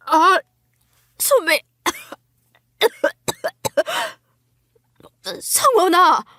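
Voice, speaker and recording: A woman's voice: extremely high pitch, a bit bright, no echo, studio quality, heavily acted. A woman acting a scheming middle-aged mother-in-law in an audio drama, coaxing with false sweetness and feigned innocence. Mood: panicked.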